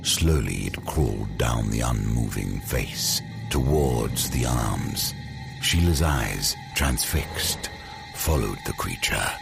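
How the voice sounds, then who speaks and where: A man playing the grave, ominous narrator of a gothic audio drama, deliberate and given to dramatic pauses. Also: a bass voice, lively intonation, creaky, music in the background, exaggerated voice. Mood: suspenseful.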